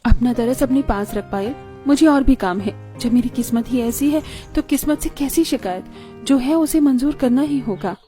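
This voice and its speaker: A woman's voice: high voice, moderate pace, faint music behind, natural voice. Woman voicing a timid young bride. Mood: sad. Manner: soft, pleading.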